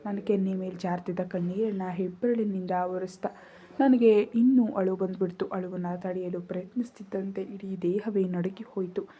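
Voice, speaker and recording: A woman's voice: medium pitch, fairly even intonation, normal speed, warm tone, breathy edge. A woman narrating a first-person romance story in an emotional, intimate storytelling manner.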